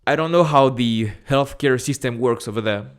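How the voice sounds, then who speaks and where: A man with a strong French accent talks straight to camera in a casual, direct way. His voice sits in a middle pitch for a man. He repeats phrases and fills pauses with a quick "uh". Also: clear, resonant tone. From France. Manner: chatty and direct, repeats phrases, frequent "uh" fillers. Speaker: investing YouTuber.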